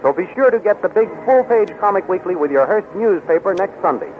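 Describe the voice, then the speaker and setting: A man's voice: high voice, animated, fairly quick. A man as a dramatic, promotional announcer on a 1930s radio serial. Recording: tinny, hissy 1930s radio recording.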